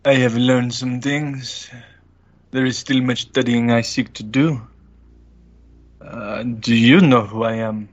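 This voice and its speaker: A man voicing a solemn, polite and mysterious supernatural being in a tabletop game, in measured, formal speech. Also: mid-range voice, fairly even intonation, muffled recording. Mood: reserved. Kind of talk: in-character tabletop roleplay.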